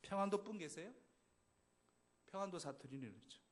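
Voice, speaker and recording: A male pastor preaching a sermon with a fairly high voice. His phrases rise and swell with emphasis. Now and then he teases the congregation in a playful way. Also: lively intonation, a little fast. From Seoul. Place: church service.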